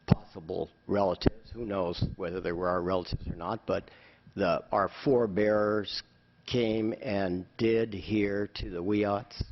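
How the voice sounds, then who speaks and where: A man speaking as a council member at a public meeting, earnest and halting as he searches for words. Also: fairly low pitch, lo-fi sound. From Los Angeles.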